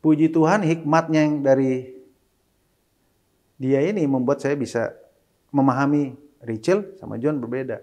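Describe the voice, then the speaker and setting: Talking slowly and pausing often in a medium-pitched voice, this middle-aged interview guest is a single father. His speech is casual and sprinkled with English phrases, and he grows animated whenever he quotes his kids.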